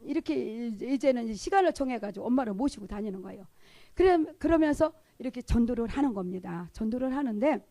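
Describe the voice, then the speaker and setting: A woman with a Chungcheong Korean accent, giving an animated sermon testimony in church and acting out the conversations she describes. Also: on the high side, vocal fry, dry recording. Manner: animated, acts out dialogue in different voices.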